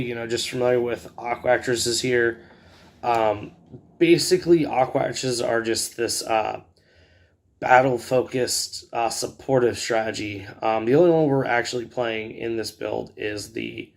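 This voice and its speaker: Casual male tutorial host, gravelly and scratchy, rambling and hesitant in delivery. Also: medium pitch. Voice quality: scratchy, raspy. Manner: rambling, hesitant, filler-heavy. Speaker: host of a card game video channel.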